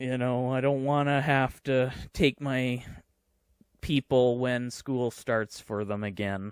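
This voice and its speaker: A man at medium pitch, speaking at a very slow pace with fairly even intonation. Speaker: gaming YouTuber and podcast co-host. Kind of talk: casual chat. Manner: interrupts often.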